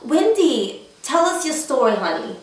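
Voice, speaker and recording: A brassy, sardonic hostess acted by a woman in a comedy sketch, heard from a distance in a very echoey room. She speaks theatrically and without hurry, in a fairly high voice. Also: big pitch swings, a little slow. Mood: showy. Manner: theatrical, chatty, mocking. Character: brassy, sardonic married woman hosting a talk show. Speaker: talk show host character. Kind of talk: comedy character sketch, mock talk show.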